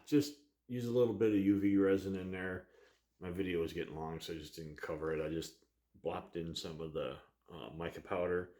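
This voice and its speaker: A man hosting a woodturning vlog, chatting casually in a relaxed, rambling way with frequent chuckles. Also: deep voice, reverberant. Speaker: woodturning channel host. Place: barn workshop.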